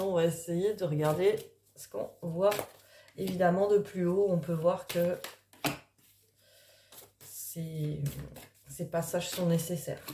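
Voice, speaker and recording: A woman card reader talking casually in an early-morning voice, improvising and thinking aloud in a halting way with trailing pauses. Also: lowish voice, mellow, a little hiss or hum. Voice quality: early-morning voice, which the speaker calls gruff. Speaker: tarot card reader and spiritual coach. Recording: echoey, reverberant room.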